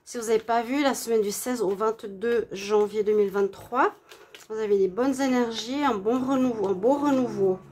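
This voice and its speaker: Woman, stuffy nose from a cold, gentle tarot reader, halting and hesitant, slight background hiss. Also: fairly high pitch. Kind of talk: relaxed tarot reading for viewers.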